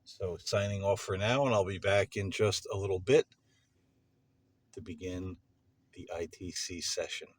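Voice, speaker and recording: Deep-voiced man, halting delivery. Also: steady tone, dry recording. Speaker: paranormal vlog host. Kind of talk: casual unscripted talk to camera. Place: parking lot at night.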